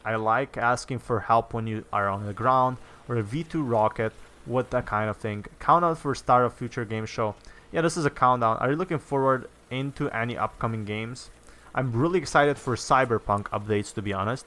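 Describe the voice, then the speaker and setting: A man's voice: mid-range voice, a bit bright. Rambling young gaming streamer, a man. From Slovenia. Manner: rambling, filler-heavy, repeats words. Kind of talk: casual livestream chat, answering viewer comments.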